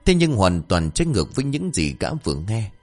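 A man narrating a horror story in a dramatic, expressive storytelling manner. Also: sits low, a little fast, soft background music.

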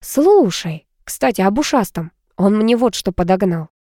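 A woman's voice: medium pitch, animated, a little slow, dark tone, no echo. A woman voicing a curious, chatty young woman student who keeps asking questions, in a dry recording. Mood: friendly. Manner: eager, questioning.

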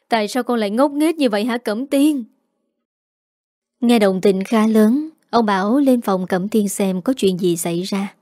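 A woman narrating a family drama story in a steady, even reading. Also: mid-range voice, no echo, studio quality.

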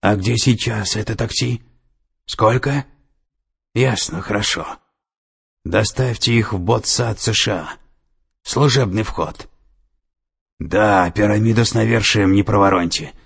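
A man's voice: lowish voice, measured pace, gravelly, pauses often, slightly rough, voice pushed up, heavily acted. A man doing an icy commanding woman director. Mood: curt. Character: cold domineering woman security director, middle-aged. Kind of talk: audiobook character voice.

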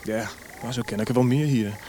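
An actor playing a frank, admiring young army officer in a radio play, chatty and teasing with some hesitation. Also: male voice, mid-range voice, fairly quick, mellow, a little hiss or hum, lightly acted. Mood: indignant admiration. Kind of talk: Dutch radio play acting.

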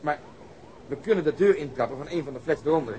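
Actor as a brash, fast-talking police detective. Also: male voice, fairly high pitch, animated, mellow, highs cut off, slight background noise, close to an everyday voice. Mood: grim, matter-of-fact. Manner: gruff, blunt, swearing. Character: brash, reckless, foul-mouthed male police detective under sniper fire. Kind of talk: radio drama acting.

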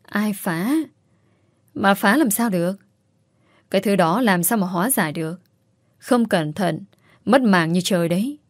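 A woman's voice: medium pitch, unhurried, long pauses, dry recording, close to an everyday voice. A woman voicing a stubborn, domineering mother-in-law who nags insistently. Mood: worried. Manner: nagging, insistent.

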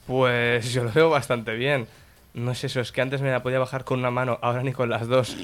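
A man co-hosting a radio comedy show, telling jokes in a steady, matter-of-fact way. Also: medium pitch, fairly quick, heavy background noise.

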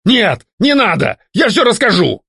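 A man voicing a jealous, petulant male ghost who shouts and pleads. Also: fairly high pitch, expressive, normal speed, creaky, dry recording, clean studio sound, voice pushed up, exaggerated voice. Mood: pleading. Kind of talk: audiobook character voicing.

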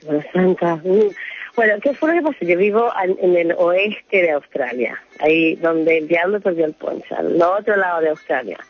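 A Chilean woman phones in to a radio program and tells a long, wandering story, laughing often as she goes. Her voice is husky and sits in a middle pitch. The sound is dull and muffled, with faint music playing behind her. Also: animated, moderate pace, dry recording. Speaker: caller. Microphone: phone call.

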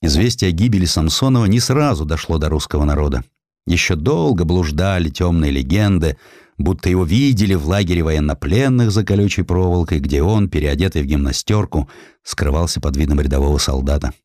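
A man reading a historical narrative as an audiobook narrator, in a measured, deliberate and dramatic way with weighty pauses. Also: low-pitched, animated, a little mellow, no echo, clean studio sound.

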